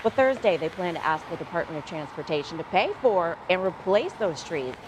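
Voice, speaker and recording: A woman with a slightly low-pitched voice anchors the morning news. She moves between reading stories and playful asides, talking directly to the audience in a conversational way. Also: very animated, brisk, noisy background. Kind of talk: news reading with casual banter.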